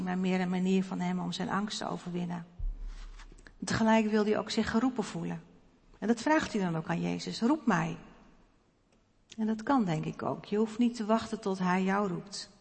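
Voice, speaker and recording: Gravelly-voiced woman preaching in a church. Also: medium pitch, a little mellow. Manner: reflective and personal, with hesitant fillers. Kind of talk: sermon. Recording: long church reverb.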